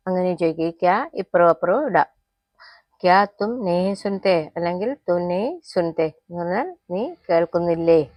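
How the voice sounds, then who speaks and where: A woman gives a spoken language lesson. She says each phrase slowly, repeats it, and then explains it quickly. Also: on the low side, animated, darkish tone, no echo. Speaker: Hindi teacher.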